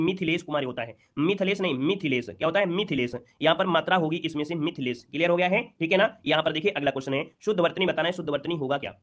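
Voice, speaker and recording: A man's voice: fairly high pitch, a bit bright. A man teaching an exam-prep lesson, who repeats each point and keeps checking with rhetorical questions.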